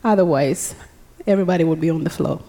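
A woman's voice: deep voice, fast, mellow. A young Ugandan woman with a Ugandan accent giving her personal testimony to a congregation, earnest and speaking straight to the audience. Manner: earnest, engaging the audience directly. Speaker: guest speaker. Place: church sanctuary. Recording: reverberant church hall.

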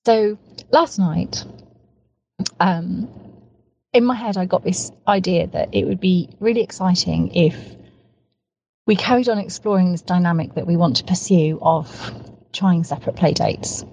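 A woman's voice: lowish voice, measured pace, gravelly, pauses often, a little mellow, lo-fi sound, slight background noise. A woman with a cold, talking in an eager, rambling way and piling up words for emphasis, recorded in a parked car. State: has a cold. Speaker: podcast co-host. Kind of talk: recorded voice message, casual.

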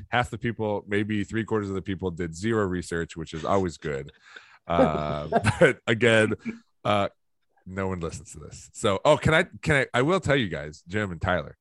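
A man's voice: fairly low pitch, fairly bright tone, dry recording. A man hosting a podcast draft, chatting casually with dry, self-mocking humor. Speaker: podcast host running the draft. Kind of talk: casual chat.

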